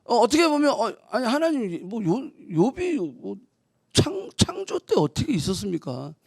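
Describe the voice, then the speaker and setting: A woman pastor giving a conversational sermon, moving between soft asides and loud emphatic bursts, and acting out teasing mock quotes. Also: fairly high pitch, sing-song, moderate pace, creaky, husky, dry recording, clean studio sound.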